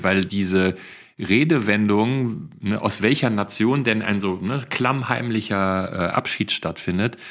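A man co-hosting a podcast, chatting casually. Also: lowish voice. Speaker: podcast co-host.

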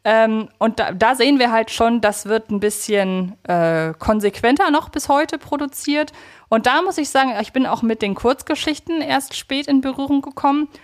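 A woman's voice: on the high side, normal speed. A woman co-hosting a podcast, casually discussing audio dramas and reflecting on her personal opinions. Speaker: podcast co-host.

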